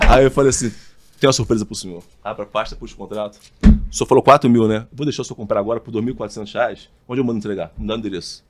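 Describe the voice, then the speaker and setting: As a podcast guest, a man with a mid-range voice tells a sales story in a casual interview, animatedly acting out both sides of the conversation. He talks fast and pauses often, with a crowd audible in the background.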